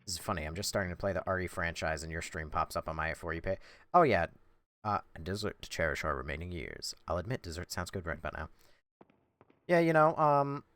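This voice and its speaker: A man streaming a video game, talking in a dry, monotone way with casual swearing while answering chat. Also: low voice, brisk, dry recording. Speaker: gameplay streamer.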